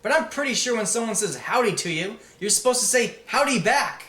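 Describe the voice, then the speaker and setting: Storybook teddy bear, cheery and folksy, high and bright, read by a man. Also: lively intonation, fairly quick, reverberant. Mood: cheerful. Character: cheerful talking male patchwork teddy bear.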